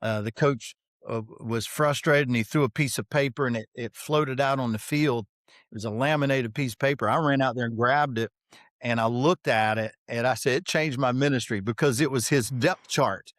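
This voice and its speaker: A man speaking as a podcast guest, with a medium pitch and a storyteller's emphatic delivery. He leans on rhetorical questions to land his points. The sound is dry and close, with no room echo. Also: moderate pace, a bit bright. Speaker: podcast guest, author on leadership development. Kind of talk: conversational podcast interview, storytelling.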